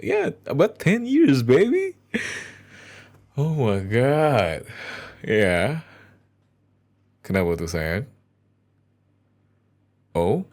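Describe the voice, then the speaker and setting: A man speaks extremely slowly at medium pitch, pausing often, as an affectionate husband bubbling with excitement toward his wife in an ASMR roleplay. He sounds hesitant but expressive.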